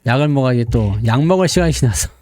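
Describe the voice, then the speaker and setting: A man's voice: medium pitch, animated, fast talker, a little mellow, dry recording, studio quality. A man hosting a stock market livestream. He chats casually and jokes as he greets viewers by name, one after another. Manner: chatty, jokey, reads viewer names one after another. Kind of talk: casual live-stream chat greeting viewers.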